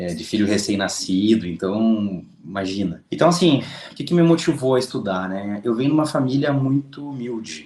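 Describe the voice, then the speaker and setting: With hardly any pauses, a man talks at a moderate pace in a medium pitch, his tone dark and mellow and his intonation lively. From Rio Grande do Sul, Brazil (Santa Maria). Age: 30s. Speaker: civil servant, exam passer. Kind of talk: interview.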